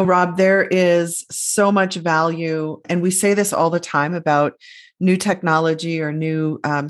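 A woman co-hosting a podcast interview, upbeat and enthusiastic in casual chat. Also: lowish voice. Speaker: podcast co-host.

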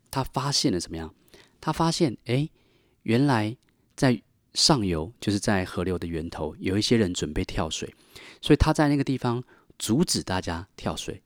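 A man's voice: fairly low pitch, no room sound, clean studio sound. A male life coach giving a teaching talk, telling a parable and often posing rhetorical questions that he then answers himself.

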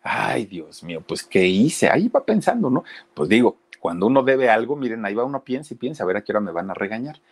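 A man's voice: medium pitch, very animated, fast talker, hardly any pauses. A man casually telling a story, chatting directly to his listeners. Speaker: storyteller host.

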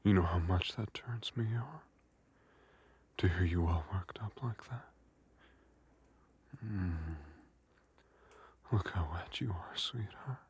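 A man whispering a slow, coaxing intimate audio roleplay in a soft, breathy voice. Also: sits low.

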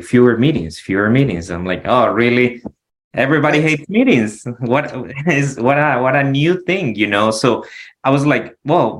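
This is a man, speaking in a lowish voice as a podcast guest. He talks easily and lets soft chuckles slip between his explanations. The pace is unhurried and conversational. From Ecuador. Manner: relaxed storytelling with soft chuckles. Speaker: guest, company founder. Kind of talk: casual podcast interview.

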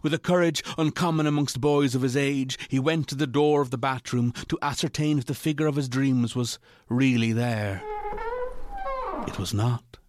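A man narrating a literary ghost story in a measured, formal way. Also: mid-range voice, steady tone, darkish tone, natural voice.

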